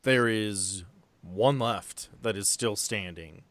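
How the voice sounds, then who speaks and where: A man with a fairly low voice works as game master, narrating a tabletop adventure in a conversational, off-the-cuff style. The sound is dry and close, with little room in it. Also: slow pace, fairly bright tone, dry recording. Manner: improvised, conversational storytelling.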